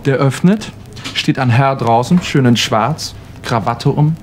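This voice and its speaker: A man telling jokes on a club stage, in brisk, clipped fragments. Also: mid-range voice, slight background noise. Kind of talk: live cabaret joke telling. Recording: live club recording with faint audience.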